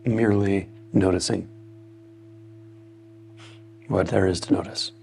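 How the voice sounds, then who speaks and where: A man leading a guided meditation, speaking calmly in short phrases with long pauses. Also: sits low, creaky, faint music behind.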